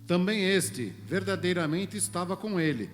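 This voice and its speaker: A man's voice: high-pitched, lively intonation, moderate pace, slight background noise. A man reading Bible verses aloud during a church service. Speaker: scripture reader at a church service. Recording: long hall reverb, music behind.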